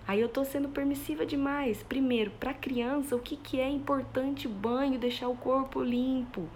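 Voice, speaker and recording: A woman's voice: high voice, fairly even intonation, moderate pace, a little mellow, slight background noise. A woman parenting educator gives a live talk to parents. She explains with everyday examples and keeps checking in with her listeners. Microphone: phone.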